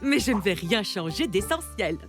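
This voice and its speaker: A woman voicing a bossy country baker in an animated cartoon, theatrical and flowery, with sugary condescension. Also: medium pitch, moderate pace, lightly acted. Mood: breezy, bossy. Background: background music.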